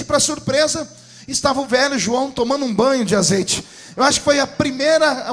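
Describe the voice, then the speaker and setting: A pastor preaching a dramatic sermon in Brazilian Portuguese, telling a story that swells into shouting. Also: male voice, extremely high pitch.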